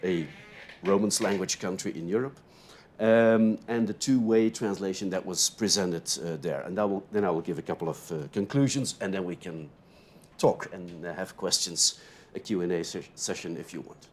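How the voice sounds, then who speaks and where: Over slight background noise, a low-voiced lecturer whose first language is Dutch opens a graduate course in English with a Dutch accent. He reasons aloud, tags on a quick "no?" to check in, and swings sharply between louder and softer phrases.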